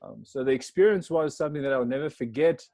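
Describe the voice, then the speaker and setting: Pastor guy telling a story slow and thoughtful, lots of ums, dry close sound. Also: medium pitch, expressive, creaky, mellow, no echo. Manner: reflective, hesitant with fillers. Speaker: pastor sharing an experience. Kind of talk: personal story in a group call.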